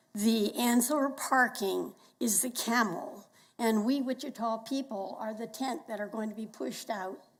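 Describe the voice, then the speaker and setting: A woman with a somewhat breathy, fairly high voice speaks at a fairly slow pace with ordinary pitch variation. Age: 80s+. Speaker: resident giving public comment. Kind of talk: public hearing testimony.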